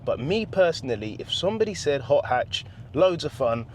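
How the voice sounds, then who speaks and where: A man's voice: on the high side, big pitch swings, moderate pace. A middle-aged man reviewing a car as he drives, chatty and enthusiastic, with a joking, self-mocking manner. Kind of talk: casual driving review. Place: inside a car while driving in the wet. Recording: road and rain noise from the car.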